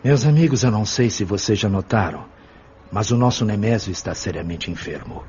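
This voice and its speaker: An actor playing a benevolent, calm spirit mentor who instructs others in a radio drama, with a Brazilian accent. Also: male voice, fairly low pitch, brisk, faint music behind, close to an everyday voice. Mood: gentle concern. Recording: dull sound, faint background noise.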